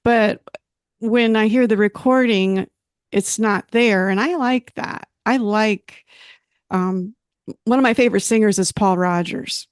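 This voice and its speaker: A woman's voice: mid-range voice, measured pace, smooth, dry recording, studio quality. A woman interviewing a musician for a music magazine, chatty and enthusiastic, with easy laughter. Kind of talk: casual interview.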